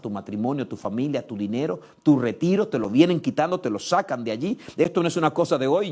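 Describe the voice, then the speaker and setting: A male pastor preaching a sermon in church. He swings between low, measured passages and loud, impassioned stretches, and he piles up short repeated phrases. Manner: lists things in rapid repeated phrases.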